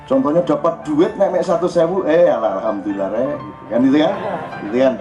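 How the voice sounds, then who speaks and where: Older Javanese man, lively religious talk. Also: a little high, brisk. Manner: mixes Javanese into talk, jokey and animated. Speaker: religious speaker. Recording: dull lo-fi recording with faint music.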